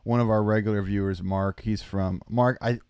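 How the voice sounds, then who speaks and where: A man hosting a podcast, talking quickly and hesitantly while reading out viewer comments. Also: lowish voice, steady tone, a little mellow, smooth, no room sound. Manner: quick, hesitant, reads chat aloud. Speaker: podcast host. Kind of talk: casual chat.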